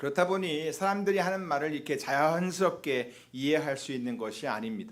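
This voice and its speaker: In a normal speaking voice, a man talks fairly quickly with hardly any pauses, his pitch fairly high and his intonation lively. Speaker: pastor. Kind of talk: sermon. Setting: church.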